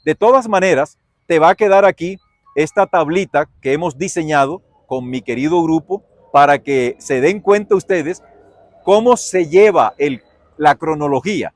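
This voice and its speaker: Brief: Colombian pastor, high voice, dry close mic, folksy Bible teacher. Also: male voice, moderate pace, no room sound. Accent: Colombian Spanish. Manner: folksy, animated, asks and answers his own questions. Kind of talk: Bible lesson, preaching.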